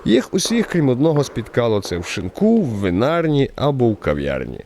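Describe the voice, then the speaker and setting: A man narrating a radio play in an expressive, theatrical storytelling style, shaping scripted literary prose phrase by phrase. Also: medium pitch, fairly quick, slight background noise.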